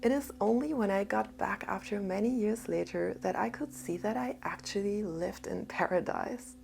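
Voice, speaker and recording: A woman giving a gentle spiritual talk in a soft, half-whispered, calm voice. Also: medium pitch, gravelly, slight background noise. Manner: calm and unhurried. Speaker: spiritual teacher.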